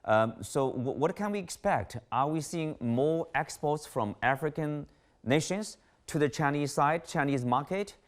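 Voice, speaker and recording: A man's voice: a little high, expressive, unhurried. A man hosting an interview, framing long questions with many fillers. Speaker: interview host.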